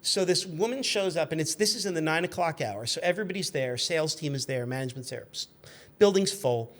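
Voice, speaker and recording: A man in his fifties telling anecdotes in an animated, chatty way as a podcast guest. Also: fairly high pitch, a little fast. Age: 50s. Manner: chatty, acts out quoted shouts. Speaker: podcast guest, magazine editor.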